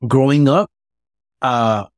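A man's voice: mid-range voice, slow, dry recording. Earnest man, close dry mic. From United States. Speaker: podcast guest. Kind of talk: casual interview chat.

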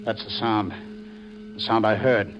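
An actor in a 1950s radio drama playing an inquisitive, level-headed police investigator with an earnest, probing manner. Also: male voice, lowish voice, fairly even intonation, unhurried, dull audio, noisy background, natural voice. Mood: amazed.

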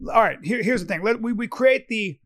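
A man's voice: high voice, expressive, brisk, fairly bright tone. A man in his fifties co-hosting a casual podcast, arguing animatedly, cutting in with repeated "but wait" and swearing freely. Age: 50s. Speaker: podcast co-host. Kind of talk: casual debate chat.

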